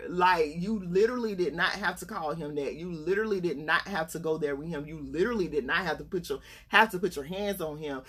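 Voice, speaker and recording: A woman talks straight to camera as a relationship coach, casual and candid. Her voice sits low for a woman. She livens her point with acted-out quotes from other people. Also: a bit bright. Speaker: life coach podcast host. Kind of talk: casual advice talk to camera.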